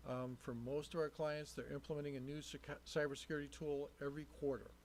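A man's voice: on the high side, little pitch movement, fast talker, a little hiss or hum. A male technology consultant explaining things at a public meeting.

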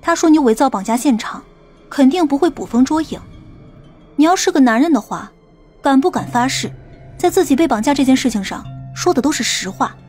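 A woman plays a tough, skeptical policewoman in an audiobook. She questions and challenges in a high voice, with faint music behind her. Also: expressive, brisk, darkish tone. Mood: scornful. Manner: interrogating, challenging. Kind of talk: audiobook character dialogue.

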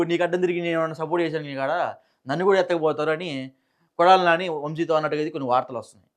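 Telugu guy doing news commentary, talks really fast, high voice, lots of rhetorical questions. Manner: repeats phrases for emphasis, rhetorical questions. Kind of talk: informal political news commentary.

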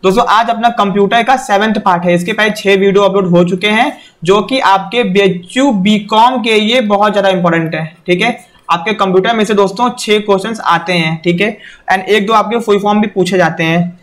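A young man teaches an exam-prep lesson in a direct, instructive style, constantly repeating "theek hai" ("okay") and "yaad rakhiyega" ("remember this"). His high-sitting voice is fairly bright and a little fast.

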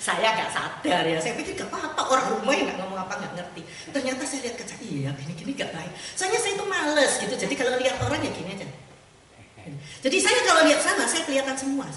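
A woman evangelist preaching a sermon in a church, lively and warm with laughter, acting out the voices she quotes. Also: on the high side, a little hiss or hum. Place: church sanctuary. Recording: echoey church hall, mic at a distance.

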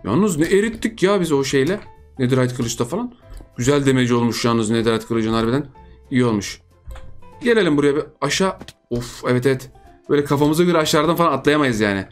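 A man giving casual, excitable commentary over his own video game, often repeating words in quick bursts. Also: on the high side. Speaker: gaming YouTuber.

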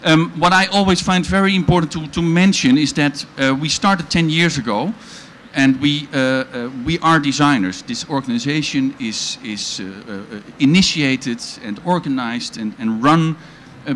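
A man's voice: medium pitch, normal speed, a bit bright, a little hiss or hum. Chatty Dutch man presenting on stage. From Netherlands. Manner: loose and chatty, frequent ums and restarts. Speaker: organization founder presenting at a panel. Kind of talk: conference presentation. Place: event pavilion stage with audience. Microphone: handheld mic.

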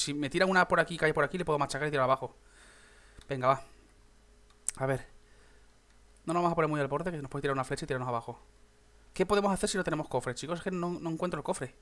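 Excitable young gamer, higher voice. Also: male voice. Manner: chatty, swears, bursts into excited shouts. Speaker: gaming YouTuber. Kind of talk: casual gameplay commentary.

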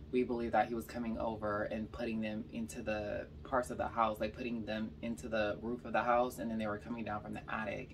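A young mukbang vlogger from Georgia in the US South chats between bites while eating on camera in her bedroom, telling stories packed with "like" and "y'all." Her voice is a little raspy and carries a slight Californian accent. The recording picks up a low rumble, sounds distant, and has slight background noise.

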